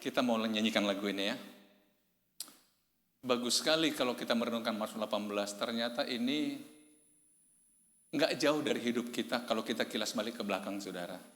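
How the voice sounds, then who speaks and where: A male pastor preaching a sermon, telling stories, addressing the congregation directly and breaking into shouts. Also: mid-range voice, brisk, long pauses. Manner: storytelling preacher, addresses congregation as "saudara", animated shouts and laughs. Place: large church hall. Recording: echoey hall reverb.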